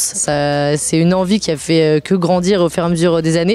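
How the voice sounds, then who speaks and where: A woman's fairly low voice, with ordinary pitch variation, comes through noticeable background noise. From southern France, Marseille. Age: 20s. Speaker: military trainee. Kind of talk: interview.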